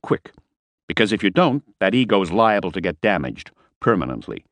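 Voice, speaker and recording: A man's voice: deep voice, sing-song, moderate pace, no room sound, voice pushed up. A man doing a sneering, bullying crime boss. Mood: menacing. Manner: curt, bullying and sarcastic.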